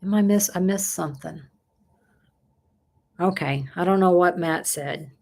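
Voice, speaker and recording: A woman's voice: fairly low pitch, measured pace, vocal fry, darkish tone. A woman, chatting casually on a livestream and reading viewer comments aloud, rambling and laughing often. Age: 60s. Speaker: livestream host.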